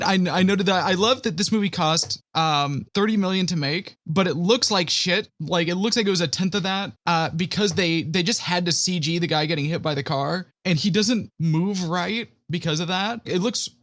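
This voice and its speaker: A woman's voice: on the low side, normal speed, few pauses, fairly bright tone. A woman co-hosting a comedy podcast, sardonic and profane, laughing often as she mocks a film. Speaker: podcast co-host. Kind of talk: casual comedic chat about a film.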